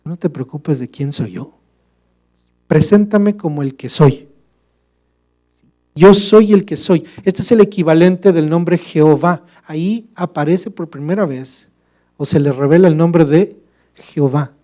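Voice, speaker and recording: A preacher gives a sermon in church with a fairly high voice that still sounds mellow and warm. Calling the congregation brother, he puts rhetorical questions to them, moving from loud, emphatic stretches to quiet, low asides. He speaks unhurriedly, with frequent pauses.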